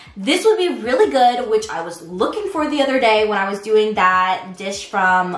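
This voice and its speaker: A woman talks at a fairly quick pace, with audible echo from the room. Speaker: food vlogger. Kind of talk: casual vlog chat. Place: home room.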